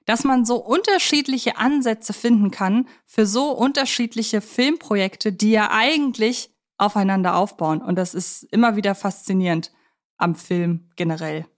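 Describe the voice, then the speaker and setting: A woman's voice: medium pitch, normal speed. Woman chatting casually on a film podcast. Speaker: podcast co-host.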